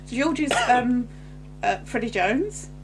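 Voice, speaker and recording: Lively, high-voiced woman co-host. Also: measured pace, slight background noise, poor audio. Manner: lively, chipping in with agreement and trivia. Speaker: podcast co-host. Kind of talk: casual chat about an old TV episode.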